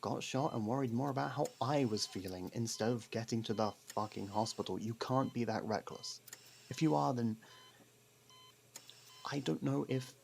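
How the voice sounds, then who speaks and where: A man playing a gruff, guarded convict who hides a fondness for a detective partner, speaking hesitantly and defensively in an intimate audio roleplay. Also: mid-range voice, moderate pace, a little mellow, slight background noise, lightly acted. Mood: exasperated concern. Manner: defensive, hesitant, sardonic, with stammered denials.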